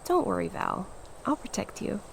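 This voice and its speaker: A woman's voice: mid-range voice, wildly swooping pitch, moderate pace, gravelly, a little hiss or hum, exaggerated voice. A woman acting a playful, adventurous character in a naturalistic audio drama, wry, teasing and unbothered. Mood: teasing, eager.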